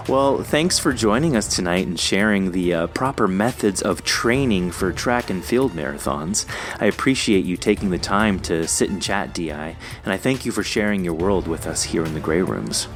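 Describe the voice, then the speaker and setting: A man's voice: low voice, lively intonation, moderate pace, soft background music. A man chatting casually as a podcast host interviewing a guest, encouraging and jokey in manner.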